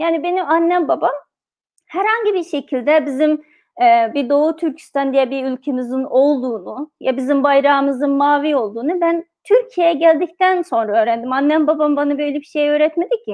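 A woman speaks in a Xinjiang accent at a high pitch. Her pace is moderate and her pitch variation ordinary. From Kashgar, East Turkestan (Uyghur). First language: Uyghur (speaking Turkish). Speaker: activist for detained family. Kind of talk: interview testimony.

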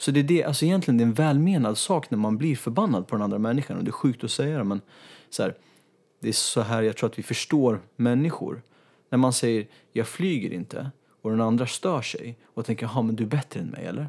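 Recorded very cleanly against a silent background, a man at medium pitch talks at a fairly quick pace with lively intonation. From Sweden, Kurdish parents. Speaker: podcast guest. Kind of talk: casual interview.

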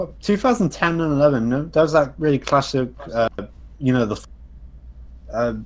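In a British accent, the speaker talks at a fairly slow pace with lively intonation and long, frequent pauses. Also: man, fairly high pitch for a man. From Britain. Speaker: podcast co-host. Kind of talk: casual chat.

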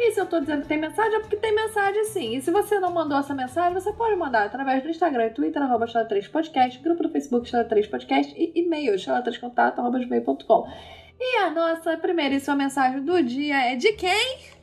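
Music plays behind a woman with a high, animated voice who speaks at a fairly quick pace with hardly any pauses and very wide pitch swings. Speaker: podcast co-host. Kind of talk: casual chat.

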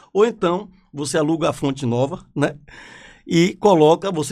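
The recording is very clean with a silent background as a man speaks at a high pitch. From Bahia, Ilhéus. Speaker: entertainment entrepreneur and radio communicator. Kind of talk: casual interview chat.

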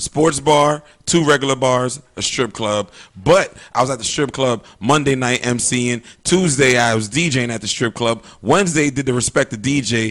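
At a moderate pace, a man with a plain, everyday voice talks in a medium pitch with ordinary pitch variation. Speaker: DJ. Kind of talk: casual chat.

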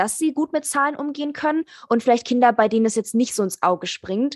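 A woman's fairly high-pitched, plain, everyday voice with ordinary pitch variation, in a dry, close sound with no echo. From Germany. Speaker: podcast host. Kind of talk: interview.

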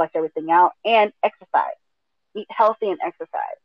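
A woman speaks with an American accent. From US Northeast (Bronx, New York), Jamaican family. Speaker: cosmetologist and podcaster. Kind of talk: interview. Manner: animated.

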